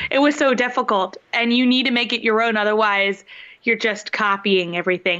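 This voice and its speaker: A woman with a slight Philadelphia accent, animated tone, ordinary pitch variation, and fairly quick pace over noticeable background noise. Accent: Philadelphia, slight twang. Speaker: podcast host and singer. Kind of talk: casual chat. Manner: animated, laughs often.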